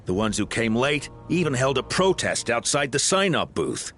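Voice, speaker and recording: An earnest tribal official reports in a video game. His voice sits at a medium male pitch, with music playing behind it. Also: very animated, moderate pace, a bit bright. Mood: reporting. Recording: background music under dialogue.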